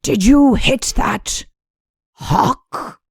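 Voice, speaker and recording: A woman's voice: a little high, very slow, vocal fry, husky, no room sound, clean studio sound, voice pushed up, exaggerated voice. Pompous, fussy storybook king played by a woman. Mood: mock innocent. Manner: pompous, hesitant, mock-innocent. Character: pompous, fussy fairy-tale king and doting father. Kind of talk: audiobook comic character acting.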